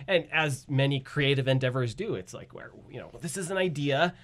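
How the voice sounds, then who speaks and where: Male guest, voice actor, medium pitch, conversational and reflective, studio mic. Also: lively intonation, a little fast, a bit bright. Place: radio studio. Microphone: studio microphone.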